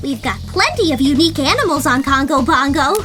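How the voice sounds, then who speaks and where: A woman plays a young female monkey guiding visitors. The voice is extremely high and bright, with lively swings. She sounds upbeat and sensible in an audio drama. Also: brisk, soft background music. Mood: cheerful. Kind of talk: fan audio drama acting.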